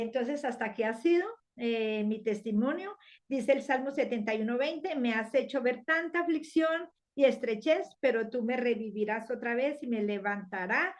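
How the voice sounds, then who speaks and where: A woman giving a personal religious testimony, earnest and halting, with many fillers and restarts. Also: on the high side, a little mellow. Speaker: church member giving testimony. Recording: dull lo-fi sound.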